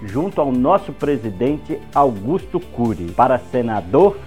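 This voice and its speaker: Mellow man, campaign pitch. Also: big pitch swings, measured pace, faint music behind. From Minas Gerais, Brazil. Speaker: senate candidate. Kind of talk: campaign ad speech.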